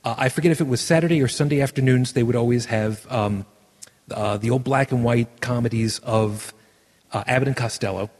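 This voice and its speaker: A man's voice: mid-range voice, brisk, a little mellow. A man hosting a podcast in a casual chat, rambling with many restarts. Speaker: podcast host. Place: virtual world broadcast. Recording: echoey, washed-out room sound.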